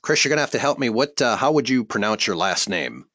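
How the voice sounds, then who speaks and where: Upbeat guy running a webinar q&a, bright tone, dry sound. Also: mid-range voice, expressive, no echo. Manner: friendly, upbeat, quick. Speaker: webinar host and voiceover coach. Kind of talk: live webinar Q&A.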